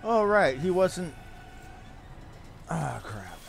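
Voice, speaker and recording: A man's voice: fairly high pitch, big pitch swings, very slow, gravelly, faint music behind. A man giving casual live commentary as he streams a game, reading on-screen text aloud and swearing mildly.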